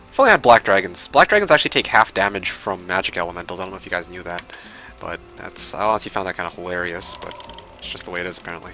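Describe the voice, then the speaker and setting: A man's very deep, low voice at a very fast pace, fairly even intonation, big swings in loudness, and music in the background. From Canada. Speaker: game streamer. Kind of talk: live gameplay commentary with chat.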